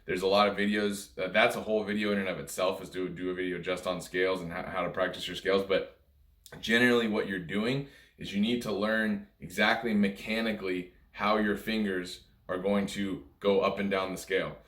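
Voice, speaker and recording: Low-pitched man teaching in an echoey room. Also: steady tone, fairly quick, fairly bright tone. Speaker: music teacher and video host. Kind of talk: informal instructional talk. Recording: roomy, echoey room sound.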